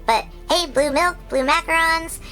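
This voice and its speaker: A woman voicing an excitable, childlike male creature who hosts a chatty episode recap, bubbly and full of giggles and squeals. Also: extremely high pitch, unhurried, faint music behind, full character voice, rough recording. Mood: excited recap. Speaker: recap host.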